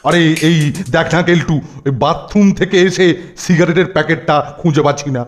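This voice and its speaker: High-pitched scolding schoolmaster, played by a man. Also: steady tone, fairly quick, a little hiss or hum, lightly acted. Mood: puzzled. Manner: scolding, interrogating. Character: gruff, menacing male schoolmaster, quick to punish. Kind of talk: cartoon voice acting.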